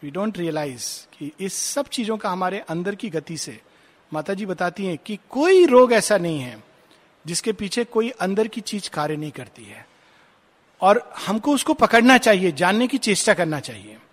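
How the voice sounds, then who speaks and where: A man, giving a reflective spiritual discourse and slowly reading English verse aloud. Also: high-pitched, expressive. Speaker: spiritual speaker. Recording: long hall reverb.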